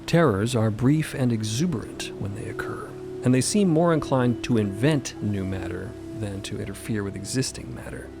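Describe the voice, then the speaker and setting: A man's voice: fairly low pitch, moderate pace, creaky, few pauses, over music. A man narrator reading scripted audio fiction.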